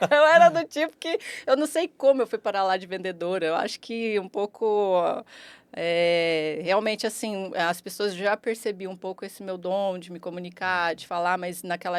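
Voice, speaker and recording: A woman's medium-pitched voice at a moderate pace, big swings in loudness, a dry, close sound with no echo, and a very clean recording over a silent background. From Goiás, Brazil. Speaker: marketing agency CEO. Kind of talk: podcast interview.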